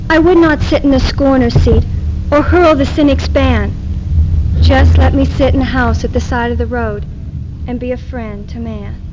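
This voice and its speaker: A woman playing a gentle, wistful homemaker who recites verse in readers theater. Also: high-pitched, fairly even intonation, normal speed, lightly acted. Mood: earnest, wistful. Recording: dull noisy 1970s archive recording.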